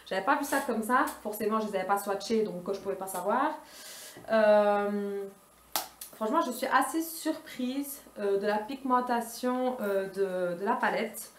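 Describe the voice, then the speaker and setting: A woman talks through her beauty haul in a loose, chatty way, stopping often to hesitate and pick up her thread. Her voice sits at an ordinary middle pitch. The room around her adds a clear echo. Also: measured pace, slight background noise. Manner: chatty and rambling, full of hesitations. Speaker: beauty vlogger. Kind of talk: casual product haul chat. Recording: roomy echo.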